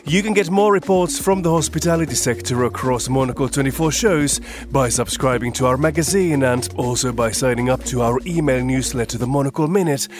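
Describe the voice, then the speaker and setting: A man presents a podcast from a script, speaking in a measured, even way. His voice sits at an ordinary mid pitch. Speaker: podcast host.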